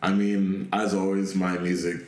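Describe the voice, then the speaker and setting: A man from Canada speaks in a very low, even voice that barely rises or falls. He talks in a relaxed, rambling way, full of fillers. The room around him is echoey. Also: a little slow. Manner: laid-back, many fillers. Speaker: guest, clothing brand owner. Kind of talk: casual radio interview.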